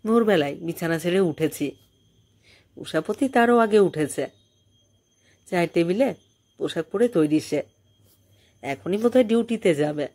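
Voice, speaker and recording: Woman audiobook narrator, soft dark tone, measured delivery, expressive short-story reading. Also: lowish voice.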